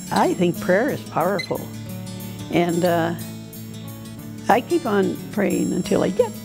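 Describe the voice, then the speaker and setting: With music playing in the background, a woman speaks at a fairly slow pace with long, frequent pauses. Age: 80s+. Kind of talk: interview answer.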